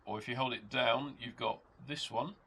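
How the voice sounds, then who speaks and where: A man with a stuffed-up nose from a cold, hosting his channel and calmly explaining a hobby gadget step by step from his workshop. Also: medium pitch, normal speed, gravelly, over loud music. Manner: explains step by step, relaxed, with hesitations. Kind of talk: casual product demonstration. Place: home workshop with rain outside. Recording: rain and model engine noise behind.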